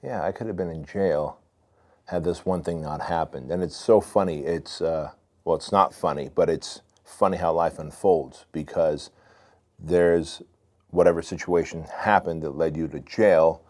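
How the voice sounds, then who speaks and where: Guy in his 40s from armenia, deep voice, loose and candid, keeps saying man. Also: steady tone, measured pace, darkish tone. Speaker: podcast guest. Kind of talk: casual storytelling.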